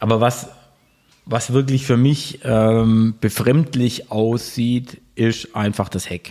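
Speaking at a very slow pace, a man keeps his intonation fairly even. His pitch sits at a medium level. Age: 30s. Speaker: YouTuber and car podcast host. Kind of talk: casual chat. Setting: sitting together over coffee.

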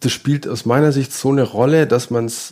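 On a very clean recording with a silent background, a man with an unremarkable speaking voice talks at a moderate pace, his medium pitch following a fairly even intonation. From Bavaria. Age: 30s. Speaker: DJ and club booker. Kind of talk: live podcast interview. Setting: stage with live audience.

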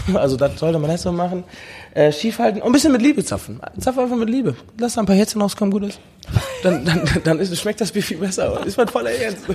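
High-pitched male speech, very fast yet broken by long, frequent pauses, with lively intonation over noticeable background noise. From Siegerland, Germany. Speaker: pub owner. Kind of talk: casual chat. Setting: in a pub.

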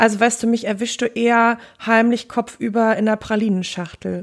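A woman speaks with fairly even intonation and a fairly high pitch. It is an unremarkable speaking voice. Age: 30s. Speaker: social worker. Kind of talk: casual chat.

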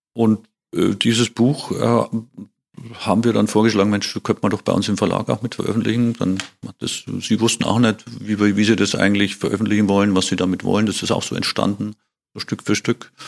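A man speaks at a moderate pace with a fairly low pitch and vocal fry. His intonation is monotone and flat. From Upper Palatinate, Bavaria (Amberg-Sulzbach district). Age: 50s. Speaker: communication designer and book publisher. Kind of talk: casual interview. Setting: studio. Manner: hesitant, many fillers.

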